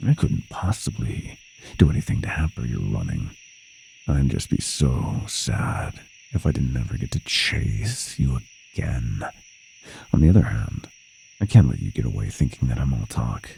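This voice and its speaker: An extremely low, heavily creaking monster taunts its human prey in a horror ASMR roleplay. It is sadistic and playful, slipping into breathy whispers as it savors each menacing line, with clear noise behind the voice. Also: male voice, darkish tone, exaggerated voice, poor audio. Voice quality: gravelly, breathy, often whispering.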